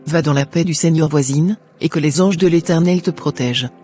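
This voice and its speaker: A man voicing a devout, grateful Christian mother in an animated morality tale, speaking in a formal, declamatory, husky way. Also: fairly high pitch, brisk, faint music behind, natural voice. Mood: forgiving, pious.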